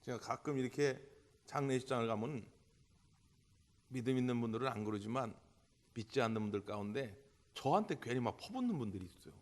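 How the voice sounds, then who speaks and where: A male pastor delivering a Sunday sermon, full of rhetorical questions, swinging between loud bursts and quiet passages. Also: mid-range voice, animated, fairly quick, long pauses. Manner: impassioned, with rhetorical questions and big swings in loudness. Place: church sanctuary. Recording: long church hall reverb.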